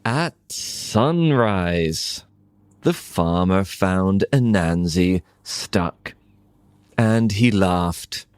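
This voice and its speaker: Very slow, low-pitched British male storyteller. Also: expressive, clear, resonant tone, no echo, studio quality. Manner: deliberate, simple phrasing with frequent pauses. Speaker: English teacher and storyteller. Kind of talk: slow storytelling for English learners.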